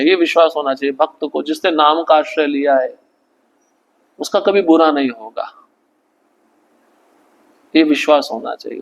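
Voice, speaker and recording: Higher-voiced man teaching scripture. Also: creaky, lo-fi sound. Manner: asks rhetorical questions and answers them himself; chants Sanskrit verses slowly. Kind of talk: devotional scripture lecture.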